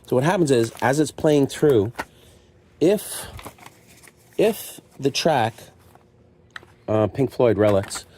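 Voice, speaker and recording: A middle-aged man with a relaxed, mellow voice at an ordinary pitch. He rambles conversationally and pokes fun at himself like a shop owner chatting to viewers. Some background noise and clicking sit behind him. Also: slow pace, long pauses. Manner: conversational, self-deprecating, acts out imagined remarks. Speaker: secondhand store owner showing stock. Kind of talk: casual, rambling chat to camera.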